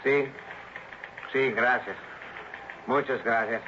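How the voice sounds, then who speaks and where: An actor playing a cautious young police sergeant, polite and hesitant. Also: male voice, mid-range voice, takes it slowly, close to an everyday voice. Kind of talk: 1960s radio drama acting. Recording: muffled old radio broadcast with faint hiss.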